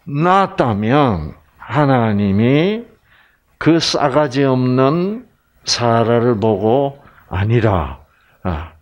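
A man giving a lively, teasing Bible lecture who keeps asking his audience questions. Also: medium pitch, very slow, highs cut off.

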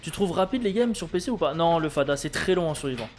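A man's voice: a little high, expressive, quick pace, a little mellow, faint music behind. Chatty French streamer man, wry. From France. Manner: chatty, wry, thanks viewers. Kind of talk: casual gameplay commentary, reading chat.

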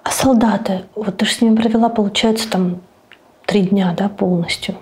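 A woman's voice: mid-range voice, steady tone, moderate pace, dark tone. A woman interviewer asking probing questions.

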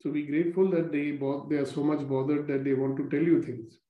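A man leading a guided gratitude meditation, speaking slowly and calmly with repeated phrases. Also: on the high side. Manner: slow, calm, repetitive instructions. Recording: roomy, dull lo-fi recording.

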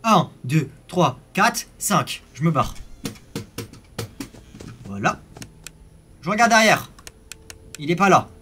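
A young man commentating a horror game live, swinging from startled yells to hushed muttering, full of slang. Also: fairly high pitch, big pitch swings, slow, long pauses, slight background noise. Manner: French street slang. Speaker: gaming youtuber.

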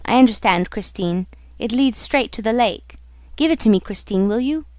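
A woman's voice: on the high side, animated, normal speed, a little mellow, no echo, lightly acted. A woman voicing an ardent, jealous young man in a storybook, speaking in an urgent, challenging, dramatic way. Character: ardent, jealous young male suitor, impatient and protective.

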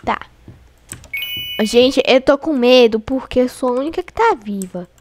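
Young brazilian woman, high voice, slow unhurried delivery, jumpy scared gaming commentary, keyboard clicks behind. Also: slight background noise. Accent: Brazilian Portuguese. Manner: excitable, frightened exclamations and chatty asides to viewers. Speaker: gaming channel host. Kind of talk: casual let's-play commentary.

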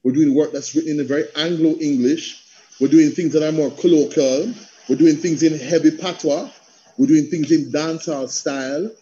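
High, dark-voiced Jamaican man on video call. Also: normal speed. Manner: animated, rhythmic, slips into patois. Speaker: panel guest, theatre practitioner and coach. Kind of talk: passionate conversational talk. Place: indoor room at home on a video call. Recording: dull video call audio.

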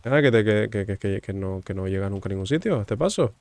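A man casually commenting on his gameplay, teasing and chatting with the game's characters in a low murmur. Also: expressive, fast, a little mellow, dry recording. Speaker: gaming streamer.

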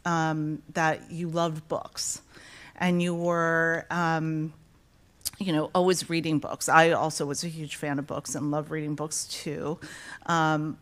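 A woman interviewing an author in an onstage conversation. She holds a handheld microphone and speaks in an emphatic, conversational way, with many fillers. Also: sits low. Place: stage at a library event. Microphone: handheld mic.

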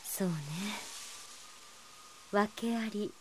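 A woman playing a proud, sharp-tongued young lady with a haughty, exasperated way of talking in an anime-style radio drama. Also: medium pitch, steady tone, extremely slow, slight background noise, rough recording. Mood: wry. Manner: haughty, exasperated, feminine phrasing.

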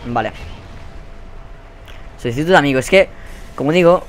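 A man with a Spain Spanish accent giving profane, excitable commentary over his own gameplay. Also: fairly high pitch, moderate pace. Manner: excitable and profane, bursting into shouts. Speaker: gaming YouTuber.

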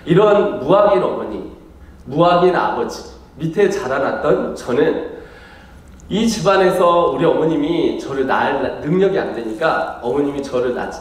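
A man from the Chungcheong region preaching at a rally, moving from light banter with the crowd to earnest storytelling. His delivery is animated and a touch high. His voice booms through a large echoing hall from a distance. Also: normal speed. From South Korea, Chungcheong region. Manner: joking, then earnest storytelling. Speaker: missionary preacher. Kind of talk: sermon at an evangelistic rally. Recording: echoey hall from far off.

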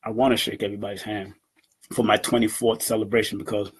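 A man in his fifties talking to his webcam from a room at home, animated and boastful, laughing often as he addresses his community. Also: lowish voice, quick pace, breathy edge. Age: 50s. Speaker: event organizer and numerology teacher. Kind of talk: casual talk to camera. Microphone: webcam at desk.

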